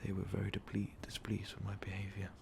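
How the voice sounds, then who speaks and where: A man voicing an ancient, brooding, power-hungry vampire overlord in an ASMR roleplay, talking haltingly and often slipping into whispers. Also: sits low, monotone, creaky, noisy background. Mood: brooding, proud. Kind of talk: ASMR roleplay monologue, intimate storytelling.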